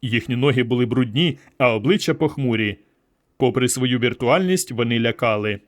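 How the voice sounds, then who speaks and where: A man reading a science-fiction audiobook aloud in steady storytelling narration. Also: mid-range voice, moderate pace.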